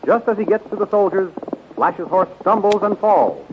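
A man's voice: sits high, expressive, moderate pace. An American man narrating a 1930s radio serial as its announcer, with a dramatic, emphatic delivery. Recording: muffled, noisy 1930s radio recording.

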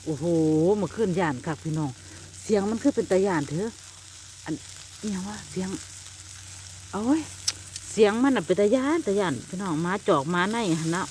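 A woman's voice: fairly low pitch, expressive, brisk, pauses often, a little mellow, a little hiss or hum. Chatty woman with an Isan Thai accent. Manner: chatty, rambling, addresses viewers as brothers and sisters. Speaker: vlogger. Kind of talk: casual chat to viewers. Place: backyard outdoors by a charcoal grill.

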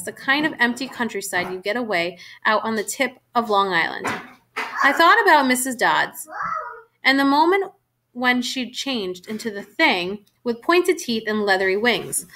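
A woman narrates a young-reader novel in the first person, with a steady, vivid delivery. Her voice is bright and forceful, and pitched slightly high for a woman. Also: slight background noise. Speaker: audiobook narrator.

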